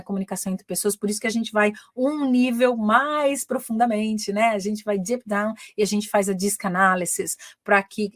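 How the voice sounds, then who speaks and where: Broadcasting a live bilingual lesson from her home in England, a woman who works as an English teacher and communication coach says everything twice, once in Portuguese and once in English. She has a medium-pitched voice, recorded at studio quality without echo.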